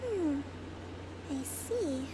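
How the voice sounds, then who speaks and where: A woman playing a composed young female leader in a video game, speaking in a measured, formal, thoughtful way. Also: sits high, animated, background noise, exaggerated voice. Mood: pondering.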